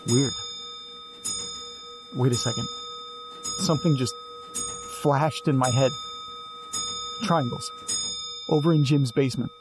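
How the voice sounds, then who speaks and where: An actor playing a restless, sardonic young man in an audio drama, who keeps piecing clues together out loud. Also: medium pitch, over music, lightly acted. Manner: sardonic, restless, quick to jump to conclusions. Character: Nate, anxious young man chasing a mystery.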